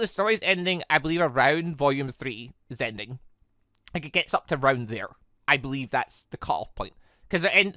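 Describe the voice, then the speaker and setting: A gaming video host talks in a bright, forceful voice with very lively pitch movement. The delivery is casual and rambling, full of tangents and self-corrections. The sound is dry, with hardly any room in it. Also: no echo. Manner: chatty, digressive, self-correcting. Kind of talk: casual rambling game commentary.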